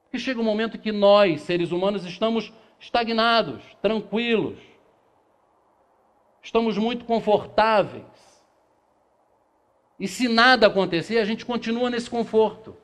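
A man's voice: high voice, unhurried, pauses often. A middle-aged man from Brazil giving a spiritist lecture in a small meeting room, reading passages aloud and posing rhetorical questions that he answers himself. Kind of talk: lecture to a seated audience. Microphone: far camera, no handheld mic.

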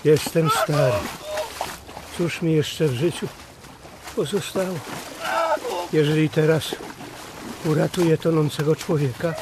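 An actor playing a bitter, weary old man in a radio drama monologue, declamatory and deliberate. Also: fairly high pitch, steady tone, heavy background noise, close to an everyday voice. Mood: resolute, weary. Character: bitter, weary old man weighing his wretched life.

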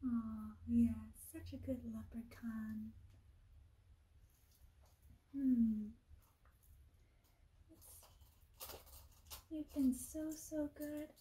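A young woman doing a soft-spoken, half-whispered ASMR roleplay as a kindly leprechaun queen, gentle, cooing and doting, close up in a small room. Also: high-pitched, slight background noise, poor audio. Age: young adult.

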